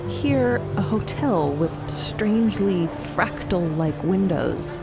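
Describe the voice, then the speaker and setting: A woman's voice: mid-range voice, animated, takes it slowly. A woman narrating a scripted audio drama in a conversational, wry storytelling manner. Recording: loud music behind the voice. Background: loud music.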